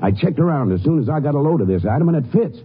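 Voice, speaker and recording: A businesslike small-town sheriff in a 1950s radio western. His voice is a bit high and very animated, with plain-spoken delivery on a thin, tinny vintage recording. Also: very fast, husky. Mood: urgent, businesslike. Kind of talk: 1950s radio drama acting.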